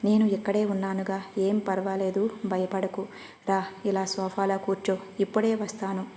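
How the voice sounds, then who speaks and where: A woman voicing a quick-tempered but caring young male boss in a storybook reading, in her own even voice. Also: medium pitch, a little hiss or hum, close to an everyday voice. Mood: soothing. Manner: read in the narrator's own even voice.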